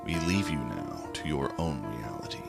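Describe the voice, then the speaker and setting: A man's voice: a bass voice, very animated, creaky. A man giving a grave, ominous dramatic narration of a horror tale. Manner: slow, grave, ominous delivery. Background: music.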